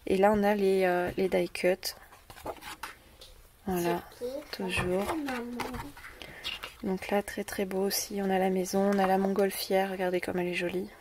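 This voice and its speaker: Her voice sits at medium pitch with a level tone, a bit slow and often pausing. She's a French-accented woman casually presenting a craft haul for a scrapbooking video, hesitant and heavy on fillers and repeated words, recorded from afar with faint noise.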